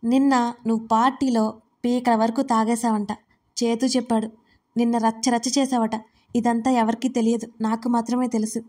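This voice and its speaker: Woman doing a cheeky gossipy girl, smug, teasing, kinda high. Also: flat delivery, normal speed, darkish tone, close to an everyday voice.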